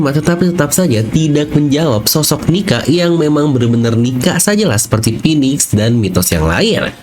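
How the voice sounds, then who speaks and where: A man's voice: on the high side, darkish tone, a little hiss or hum. A man giving a casual, chatty explainer commentary as a video host, addressing viewers directly and drawing out the ends of phrases.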